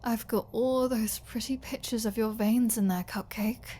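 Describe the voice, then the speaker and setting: A woman playing a flirty, starving captive vampire in an ASMR roleplay, halting and teasing, with breathy asides and pleading. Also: a little high, steady tone, warm tone, natural voice. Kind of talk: ASMR roleplay audio drama.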